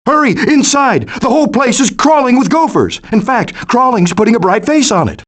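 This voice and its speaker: Wildly animated, theatrical possum dad. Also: male voice, very high voice, moderate pace, exaggerated voice. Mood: urgent, excited. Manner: theatrical, pompous, declamatory. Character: melodramatic, hammy male possum, doting middle-aged father. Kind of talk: animated video game voice acting.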